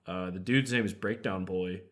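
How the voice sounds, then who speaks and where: Young male co-host, lower-pitched, easygoing, drops casual swears. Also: steady tone, normal speed. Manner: laid-back, swears casually, calls others dude. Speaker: podcast co-host. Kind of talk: casual chat.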